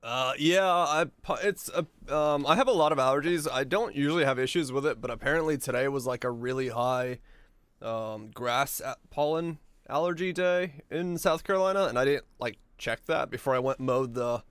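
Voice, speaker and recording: A hoarse man with a raspy, fading voice chatting casually while streaming a game, rambling and halting, swearing now and then. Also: mid-range voice, fairly bright tone, no room sound. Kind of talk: casual gaming stream commentary.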